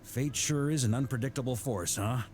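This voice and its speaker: An actor playing a jovial, roguish middle-aged knight grandmaster in a video game, hearty and conversational like a theatrical storyteller. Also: male voice, mid-range voice, normal speed, darkish tone, faint music behind, natural voice. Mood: reflective. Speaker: game character giving voice lines. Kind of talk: scripted video game voice acting.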